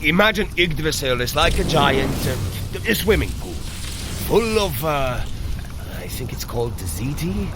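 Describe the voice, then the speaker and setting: Male, unhurried and animated, as a blunt, simple, good-hearted warrior god in audio drama; very noisy background. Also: a little high. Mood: puzzled, helpful. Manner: blunt, plain-spoken, halting when explaining. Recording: loud ambient effects noise behind.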